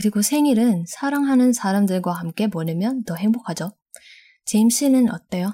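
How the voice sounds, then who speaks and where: A woman speaks at a moderate pace and a medium pitch, her somewhat breathy voice dark and mellow in tone with lively intonation, recorded very cleanly against a silent background with a dry, close sound and no echo. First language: not Korean (Korean learner) (speaking Korean). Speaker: podcast co-host. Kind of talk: casual chat.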